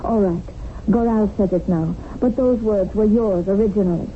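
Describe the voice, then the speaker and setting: A woman's voice: medium pitch, normal speed, lightly acted. An actress playing a fervent, unyielding woman revolutionary in a radio drama, speaking in an earnest, insistent, rhetorical way. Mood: fervent, persuading. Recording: narrow-band, noisy old radio broadcast.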